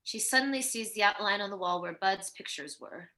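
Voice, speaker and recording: Casting: female narrator for script directions, mid-range, crisp bright tone. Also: mid-range voice, animated, brisk. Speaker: stage directions reader.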